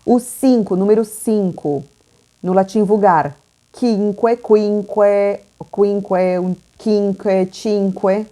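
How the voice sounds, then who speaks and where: Slow, mellow woman teaching a lesson. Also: medium pitch, steady tone, smooth. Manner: slow, repeats example words aloud; chatty asides with "né" and "tá". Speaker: language teacher. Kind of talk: informal video lesson.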